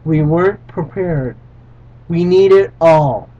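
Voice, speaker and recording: A man reading the lines of an old gray-haired male doctor, urgent and pleading, in a halting read-aloud way. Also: a little high. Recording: dull lo-fi recording.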